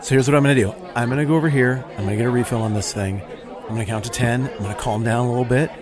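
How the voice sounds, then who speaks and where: A man's voice: medium pitch, steady tone, racing, a crowd in the background, pitched below the performer's own voice, natural voice. A man playing a self-righteous Pharisee who rants defensively and sarcastically about being wronged. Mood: sheepish. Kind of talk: comic monologue in character.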